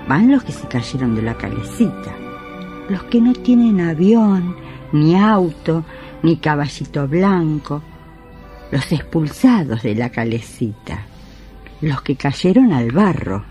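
A tender, earnest working-class Argentine woman in a radio drama. Her voice is fairly low and unhurried, with music clearly behind it. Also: sing-song, warm tone, full character voice. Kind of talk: radio play acting.

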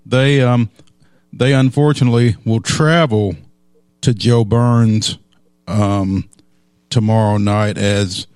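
A man co-hosting a local sports radio show, easygoing and unhurried, with plenty of ums. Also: lowish voice, steady tone, darkish tone, smooth, dry recording, studio quality. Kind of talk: casual sports talk radio.

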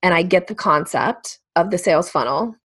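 A woman with a slightly low voice explains things as an interview guest. She is conversational and emphatic, recorded very dry with no room sound. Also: lively intonation, moderate pace, a bit bright, breathy edge, no echo. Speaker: sales coach, podcast guest.

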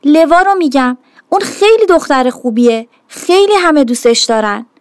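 A woman voicing a distressed young schoolgirl who pleads with questions to her mother, in a high, raised voice. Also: animated, no echo, studio quality. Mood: upset.

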